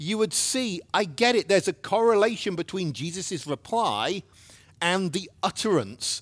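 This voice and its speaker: Intonation stays lively as a man speaks at a fairly slow pace. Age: 50s. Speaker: biblical scholar. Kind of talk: lecture. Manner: halting, many fillers.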